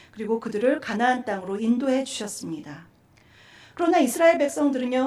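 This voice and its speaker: Earnest high-voiced woman pastor preaching. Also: darkish tone. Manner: earnest preaching with frequent fillers, acting out quoted voices. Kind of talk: sermon at a Friday prayer meeting.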